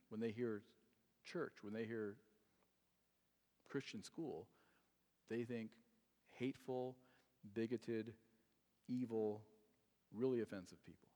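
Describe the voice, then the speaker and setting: Earnest male pastor in a reverberant hall. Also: mid-range voice. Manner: earnest, building to loud emphatic passages. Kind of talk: sermon. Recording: long reverb in a large hall.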